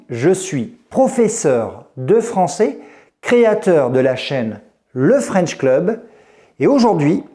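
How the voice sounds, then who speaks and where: A male French teacher speaking slowly and deliberately, his voice rising and falling a lot as he lays out each point. His tone is mellow and soft-edged, and he gives the example words in a clear, careful delivery. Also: fairly high pitch. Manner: slow, deliberate, lively intonation. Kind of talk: explaining grammar to the viewer.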